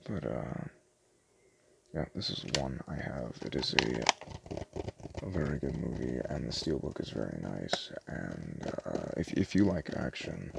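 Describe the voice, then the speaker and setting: A man doing a casual, improvised ASMR shopkeeper roleplay, soft-spoken and hesitant, rambling in a self-deprecating way. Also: rumbling low, very animated, unhurried, vocal fry, very noisy. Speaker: ASMR roleplayer playing a small DVD shop owner.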